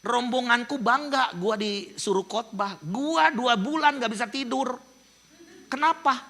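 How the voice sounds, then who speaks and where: A man in his sixties from Indonesia, a pastor, telling a story in an animated sermon and mixing in English phrases. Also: very high-pitched, a little slow. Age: 60s.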